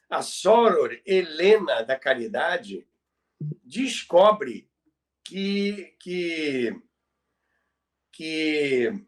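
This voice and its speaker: Brazilian male co-host, high-pitched, conversational storyteller with halting, repetitive phrasing. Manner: halting, repeats words for emphasis. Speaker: podcast co-host. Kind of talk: conversational storytelling about radio history.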